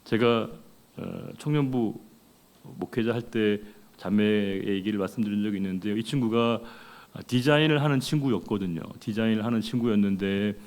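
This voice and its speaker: A man's voice: lowish voice, moderate pace, darkish tone. A middle-aged man preaching a sermon as a pastor, talking conversationally and putting rhetorical questions to the congregation.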